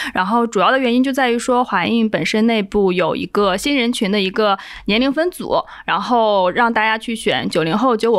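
A woman talks fairly quickly in a normal speaking voice, fairly high in pitch with ordinary variation. The recording is very clean, with a silent background. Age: 30s. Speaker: venture capital investor. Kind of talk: casual chat.

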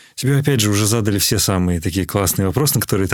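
A man at a very fast pace, fairly low in pitch. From Chelyabinsk, Russia. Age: 20s. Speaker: podcast host. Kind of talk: interview.

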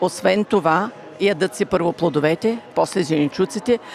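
Noticeable background noise surrounds a woman's voice. She speaks at a fairly slow pace with lively intonation. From Macedonia region. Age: 80s+. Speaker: retired beekeeper, herbalist. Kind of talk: interview at a food fair.

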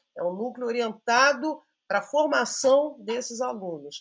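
Lively intonation and a high pitch mark this woman's voice, which moves at a moderate pace. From Brazil, Rio de Janeiro. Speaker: history professor. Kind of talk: podcast interview.

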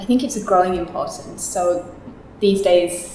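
A woman with an English accent speaks at a fairly low pitch, with audible room echo and noticeable background noise in the recording. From England. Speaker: English teacher. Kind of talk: interview.

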